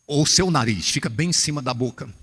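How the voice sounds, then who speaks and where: A Brazilian man preaching a humorous, animated sermon to church workers, acting out little scenes as he goes. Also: mid-range voice, fairly quick, breathy edge, in a large hall. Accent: Brazilian Portuguese.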